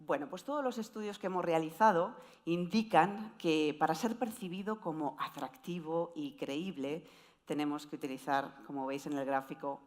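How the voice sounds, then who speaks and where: A woman giving an explanatory presentation talk on voice, with wide, lively swings in pitch. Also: normal speed. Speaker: voice coach speaker.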